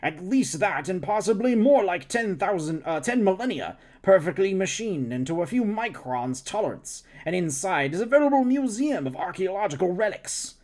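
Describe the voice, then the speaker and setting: Male reader doing a high, know-it-all alien scientist; chatty, lecturing. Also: big pitch swings, normal speed, few pauses, a little mellow. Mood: eager lecturing. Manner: rambling, lecturing. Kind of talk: reading a novel aloud on a stream.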